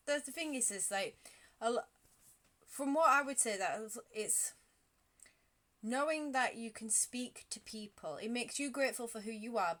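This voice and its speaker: A woman's voice: fairly high pitch, a bit bright. Earnest woman thinking aloud. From United Kingdom. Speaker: podcast host. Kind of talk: casual conversation.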